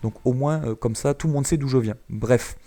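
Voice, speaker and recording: Male gaming commentator from France, mid pitch, warm mellow tone, chatty and explanatory, hesitant fillers. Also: a little fast. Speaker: gaming YouTuber. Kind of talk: gameplay commentary.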